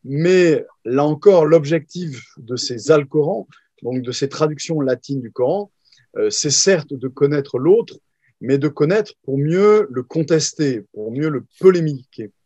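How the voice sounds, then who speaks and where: A man, a historian guest, explaining at length in an interview with frequent pauses, fillers and restarts. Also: fairly high pitch, lively intonation, dark tone, husky, no room sound, lo-fi sound. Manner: hesitant, many fillers and restarts. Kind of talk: interview answers.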